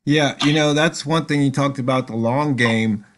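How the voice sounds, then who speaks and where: A man's voice: medium pitch, normal speed, a bit bright. A man in casual conversation on a call, thinking aloud with frequent "um" and "uh" and reaching for analogies. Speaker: trader.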